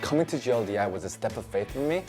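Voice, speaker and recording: A woman's voice: extremely low pitch, expressive, very fast, over loud music. A woman speaking enthusiastically and casually in a testimonial interview.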